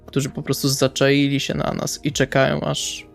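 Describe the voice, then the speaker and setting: A man playing a brooding, fatalistic male vampire in a role-playing audio drama, with a resigned, deliberate way of talking. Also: medium pitch, completely flat delivery, vocal fry, soft background music, natural voice. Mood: grim, resolute. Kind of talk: in-character role-play dialogue.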